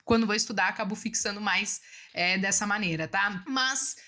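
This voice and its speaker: A woman's voice: mid-range voice, moderate pace, sharp tone, faint music behind. A woman in her thirties from Brazil, answering viewer questions about investing in a casual, chatty way, often checking in with her listeners. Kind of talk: casual explanatory talk.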